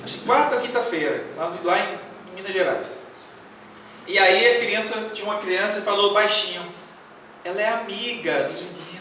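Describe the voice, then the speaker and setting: A man with a high, bright voice gives a playful religious lecture, quizzing his audience as he goes. He is picked up from far off in a very echoey hall. Faint noise sits behind him. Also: moderate pace. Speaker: spiritist lecturer.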